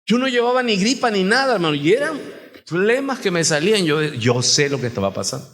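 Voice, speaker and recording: A man with a Mexican Spanish accent, a pastor preaching an impassioned sermon, moving between quiet talk and shouting as he speaks to the congregation. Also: sits high, very animated, brisk. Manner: addresses the congregation as hermano. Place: church sanctuary. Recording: reverberant church hall.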